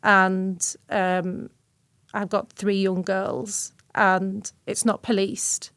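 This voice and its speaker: A woman's voice: mid-range voice, level tone, drawn-out words, a bit bright, clean tone, no room sound. A woman originally from Syria, speaking earnestly and reflectively as a guest on an interview podcast, often restarting her sentences. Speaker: guest researcher.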